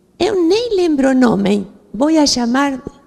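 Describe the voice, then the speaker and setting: A woman speaks in a high pitch at a very slow pace. Her pitch swings are very wide. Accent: Spanish. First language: Spanish (speaking Portuguese). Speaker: educational psychologist. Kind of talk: lecture. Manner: halting.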